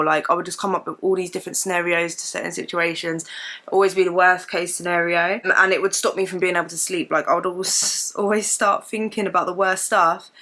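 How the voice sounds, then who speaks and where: Young woman vlogger, hoarse and croaky, bright forward tone, rambling casual chat at home. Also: lowish voice. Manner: chatty, rambling, lots of fillers. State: hoarse and croaky from a chesty cough. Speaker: beauty and fitness vlogger. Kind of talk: casual chat while doing makeup. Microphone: camera mic, sitting in front of camera.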